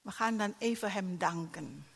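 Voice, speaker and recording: A middle-aged woman preaching a sermon, swinging between soft reflection and loud exclamations. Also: medium pitch, normal speed, vocal fry, breathy edge. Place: church hall. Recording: long church hall reverb.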